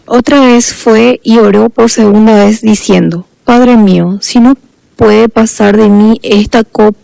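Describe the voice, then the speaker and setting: A woman reads Bible verses aloud in a slow, measured way. Her voice is mellow and gravelly, a little higher than most, and the sound is dry and close. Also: steady tone, no room sound, low-quality recording. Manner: measured reading. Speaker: scripture reader.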